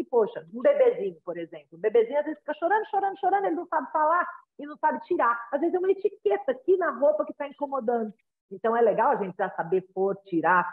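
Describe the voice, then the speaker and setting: A parenting consultant with a Brazilian accent and a fairly high voice advises parents conversationally, often checking in with tag questions. She acts out little exchanges between parent and child, heard over a tinny, phone-like line.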